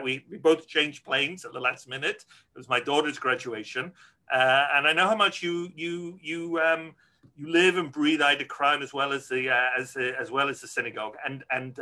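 A man's voice: mid-range voice, sharp tone. A middle-aged man from Scotland, a rabbi answering interview questions earnestly and frankly, with many restarts.

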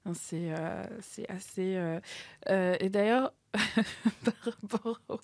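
A woman's voice: mid-range voice, slow, no echo. A woman from Cameroon hosting a conversation, speaking hesitantly with many fillers and restarts. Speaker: podcast host. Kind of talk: casual conversation.

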